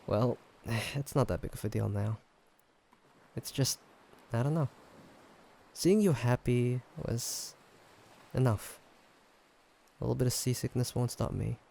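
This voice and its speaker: A gravelly, creaky boyfriend played by a man in an intimate roleplay audio drama. He talks casually and a little haltingly, with a fond, teasing way of addressing his partner, at an ordinary male pitch. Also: a little hiss or hum. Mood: wry, reassuring. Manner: casual, halting, gently teasing, chuckling delivery. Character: affectionate, teasing human boyfriend on a fancy date.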